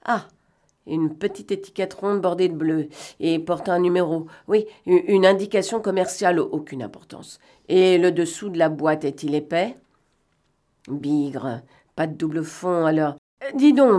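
Woman voicing a sly gentleman thief for an audiobook: bantering, sardonic, quick commands, pitch sitting a bit low. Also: steady tone, natural voice. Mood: mocking. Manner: bantering, sardonic, brisk orders. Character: cunning gentleman thief, man, mocking and commanding. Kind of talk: audiobook reading.

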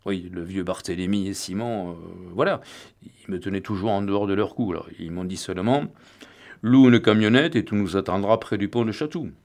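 A man reading an audiobook, voicing an excitable, greedy petty crook who pushes with prying questions. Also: fairly low pitch, a little fast, lightly acted. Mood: tearful confiding.

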